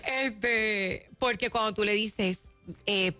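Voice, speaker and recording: A woman's voice: mid-range voice, slow pace, bright, forceful tone, soft background music. A woman with a Puerto Rican accent giving a conversational faith teaching on Christian radio, chatty and laughing between points.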